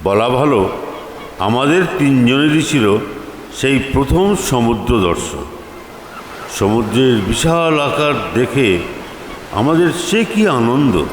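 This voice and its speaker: A man narrating a story dramatically from a script, expressive, with deliberate pauses. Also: medium pitch, a little hiss or hum. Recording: echoey reverb, music underneath.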